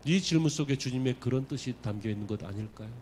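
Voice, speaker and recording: A male pastor giving a Sunday sermon to his congregation. He asks them questions and turns soft and tender when voicing Jesus. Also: mid-range voice, fast talker, slight background noise. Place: church sanctuary.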